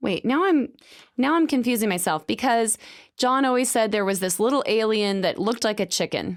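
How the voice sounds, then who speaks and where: A woman speaks at a fairly quick pace in an unremarkable speaking voice, her pitch fairly high and her intonation lively. Her loudness stays very even, and the recording is very clean with a silent background. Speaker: session singer and voice actor. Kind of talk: interview answer.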